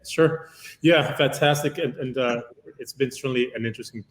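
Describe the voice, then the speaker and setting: A man's voice: medium pitch, moderate pace, roomy sound, low-quality recording. A man in his fifties from Uganda, a company founder giving a long, rambling interview answer full of "uh" fillers. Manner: long-winded, many "uh" fillers.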